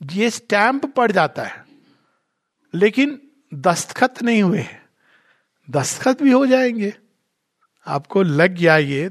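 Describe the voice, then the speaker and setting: High-voiced man giving a spiritual talk. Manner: storytelling, mixes in English phrases. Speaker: spiritual speaker; doctor.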